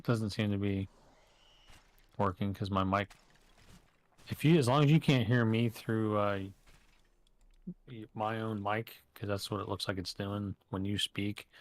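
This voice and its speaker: A man's voice: lowish voice, fairly even intonation, unhurried, long pauses. A man chatting casually with a friend during a game stream, easygoing and a little hesitant. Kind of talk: casual gaming chat. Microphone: desk microphone.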